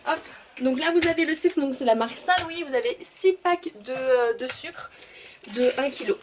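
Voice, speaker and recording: A woman talking casually through a haul vlog at home, chatty and halting with many fillers. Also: sits high, echoey room, slight background noise. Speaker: vlogger. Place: home kitchen and garage.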